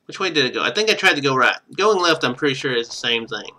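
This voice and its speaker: Bright-voiced man streaming a game. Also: mid-range voice, sing-song, fast. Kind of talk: casual game commentary, thinking aloud.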